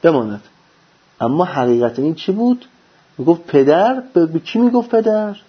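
A man delivers a religious lecture in a slightly high, husky voice. He preaches with lively rhetorical questions and answers each one himself. The recording sounds dull and lo-fi. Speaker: religious teacher.

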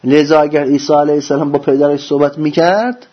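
A man giving a religious lecture, preaching with lively rhetorical questions and answering them himself. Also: on the high side. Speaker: religious teacher. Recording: dull lo-fi recording.

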